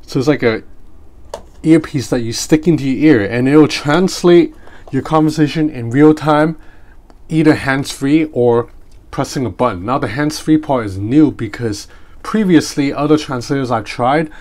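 A man, Cantonese his first language, runs through a gadget review at an indoor table. His talk is relaxed and conversational, with a mid-range pitch, and he narrates each step as his hands show it. The sound comes from a desk mic nearby. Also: moderate pace. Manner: relaxed, chatty, demonstrating as he goes. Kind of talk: casual product review. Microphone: separate mic near the desk.

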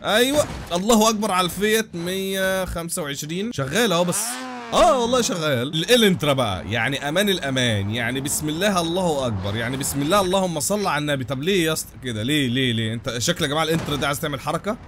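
A young man with an Egyptian Arabic accent and a cold, commenting on a car crash game with loud exclamations. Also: a little high, very fast, background noise. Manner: animated, loud exclamations and religious interjections. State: has a cold. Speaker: gaming channel host. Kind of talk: excited let's-play commentary.

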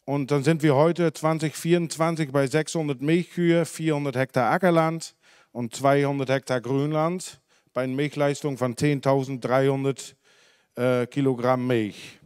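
A man in his forties from the Netherlands, a dairy farmer speaking German with a Dutch accent, giving a halting talk full of fillers and self-corrections into a handheld mic in a conference hall. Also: medium pitch, fairly even intonation, a little mellow, clear, resonant tone, studio quality. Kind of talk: unscripted talk at a symposium. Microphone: handheld microphone.

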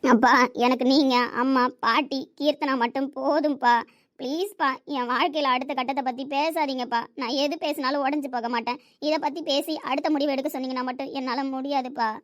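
A woman's voice: high-pitched, steady tone, brisk, dry recording, clean studio sound, lightly acted. A woman playing a devoted young daughter. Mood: pleading. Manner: pleading, reassuring. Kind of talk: amateur family drama acting.

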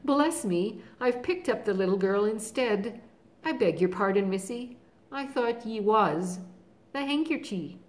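A woman's voice: medium pitch, lively intonation, unhurried, voice pushed up, natural voice. A woman voicing a huge, polite, clumsy male giant with rustic, countrified speech. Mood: apologetic.

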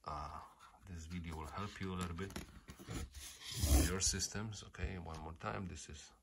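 Halting man explaining a repair. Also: low-pitched, steady tone, gravelly, background noise. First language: not English. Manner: halting, repetitive, often saying okay. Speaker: repair tutorial host. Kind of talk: unscripted hands-on repair explanation. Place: indoors at home.

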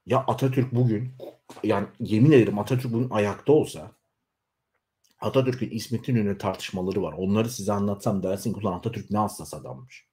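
A YouTuber in his forties, with a voice on the low side and a brisk pace, delivers an angry political rant straight to camera. He scolds his viewers and shakes with anger, his voice swinging up into shouts.

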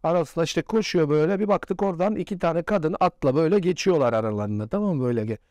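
Speaking at a quick pace in a slightly high, expressive voice with a darkish tone, a man in his forties who once played football shares anecdotes in a relaxed interview. He laughs frequently, and the recording is dry.

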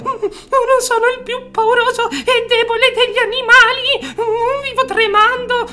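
A woman playing a tiny, timid mouse in a cartoon fairy tale, squeaky, anxious and pleading. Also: fairly even intonation, measured pace, bright, forceful tone, exaggerated voice. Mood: frightened pleading. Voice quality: squeaky, small.

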